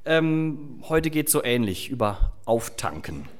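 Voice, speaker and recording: A pastor delivers a sermon with Bible reading, reading scripture and chatting casually with the congregation, full of fillers and asides. His voice is mid-range with big pitch swings, and he takes it slowly.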